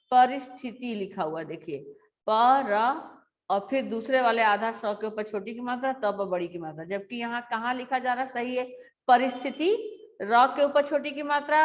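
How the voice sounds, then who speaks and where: Woman teacher with a slightly high voice, patient grammar lesson, slow and careful, repeats each word. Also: dull audio. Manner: slow, careful explaining, repeating words aloud for dictation. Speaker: school teacher.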